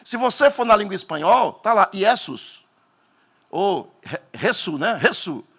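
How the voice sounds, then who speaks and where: Pastor, male, Northeastern Brazilian accent, fiery sermon delivery, lively swinging pitch. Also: measured pace. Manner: animated preaching, bursts into shouting at climaxes.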